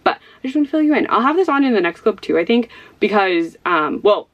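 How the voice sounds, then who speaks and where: A woman's voice: medium pitch, sing-song, a little fast, muffled recording. Chatty Midwestern woman rambling to camera. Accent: Midwestern American. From Ohio, USA. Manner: chatty, rambling, giggly, lots of "like" and "um". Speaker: book vlogger. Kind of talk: casual chat to camera.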